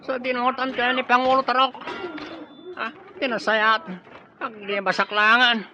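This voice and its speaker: A woman's voice: on the high side, level tone, normal speed, muffled recording, over music, close to an everyday voice. A woman playing a frightened tribal fighter in an Ilocano radio drama. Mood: alarmed.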